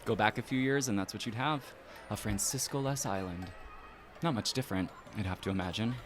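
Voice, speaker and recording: A man plays an easygoing young guy in an audio drama, friendly but a little hesitant. His voice is fairly low and natural, with clear outdoor ambience behind it. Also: normal speed, noisy background, natural voice. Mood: wistful, apologetic.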